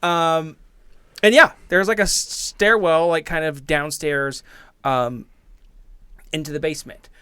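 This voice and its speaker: A man narrating a tabletop game as its host and game master, improvising in a halting, hedging way. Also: on the high side, fairly even intonation, sharp tone, smooth, dry recording.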